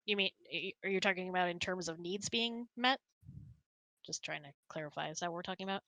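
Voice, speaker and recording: A middle-aged woman with a fairly low but bright voice, talking candidly as she hosts a casual relationship chat. The sound is dry and close, and her wording is informal and direct. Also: quick pace, no echo. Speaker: host.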